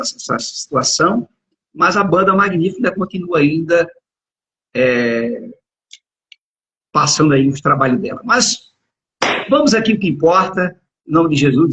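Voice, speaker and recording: A middle-aged man hosts an informal live interview in a very raspy, fairly high voice. He speaks haltingly and repeats his words. The sound is dull and lo-fi, like an internet call. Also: fairly bright tone. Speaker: podcast and radio host.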